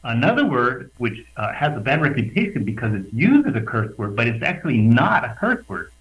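A man from the West Texas border region joins over a video call. His pitch sits in an ordinary middle range. He explains in an animated, thoughtful way, pausing and restarting as he goes. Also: rough recording. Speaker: radio guest, researcher. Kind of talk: conversational explanation.

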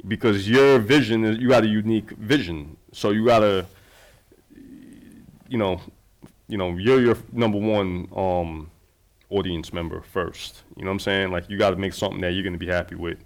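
Lower-voiced man, loose and rambling. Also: normal speed. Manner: loose, rambling, fillers and restarts. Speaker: documentary filmmaker. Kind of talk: casual conversation.

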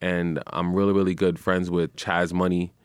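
A young guest musician and radio personality has a deep, clear, resonant voice and a moderate pace in a casual radio studio interview. Relaxed and easygoing, he keeps saying "man" and "you know," and there is no room sound.

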